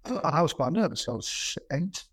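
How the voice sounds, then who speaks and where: Very animated and brisk, a middle-aged executive with a husky, slightly rough voice on the high side and a bit bright answers interview questions conversationally and plainly, reflecting and telling anecdotes. A noticeable stammer has him repeating words. The audio is dry and close, with no echo or room sound.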